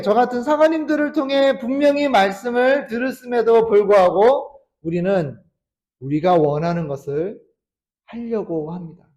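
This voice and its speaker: A high-pitched man preaching a sermon. He tells a family story with acted-out quotes, sometimes loud and sometimes hushed. He sounds like a minister in his thirties. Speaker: Salvation Army officer preaching.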